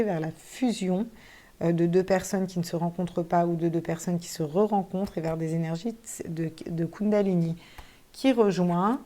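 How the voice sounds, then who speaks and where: A woman's voice: lowish voice, warm tone. A woman giving a casual tarot reading to viewers, chatty and thinking aloud, with some casual swearing. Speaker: tarot card reader.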